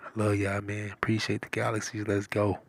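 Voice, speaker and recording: A man reading a children's storybook aloud in a soft, partly whispered ASMR style, with lingering repeated remarks. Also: fairly low pitch, monotone, a little fast, slightly rough. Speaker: live stream story reader.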